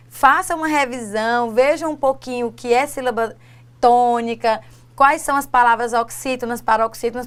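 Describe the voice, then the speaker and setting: A woman teacher from Brazil explaining spelling rules in a lesson, often adding tag questions as she goes. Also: fairly high pitch. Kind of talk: classroom lesson dialogue.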